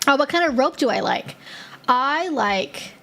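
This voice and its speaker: A woman with a fairly high voice hosts a relaxed live stream, answering viewer questions one after another. She talks in a loose, chatty way and thinks aloud with plenty of filler words. Faint music plays softly underneath her. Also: unhurried, vocal fry.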